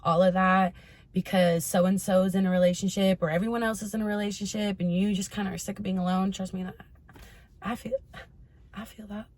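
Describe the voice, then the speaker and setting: Speaking fairly quickly in a medium-pitched, darkish voice with a steady tone, a woman addresses her followers in a chatty monologue on her personal advice vlog. She's candid and informal, and she doesn't hold back on swearing.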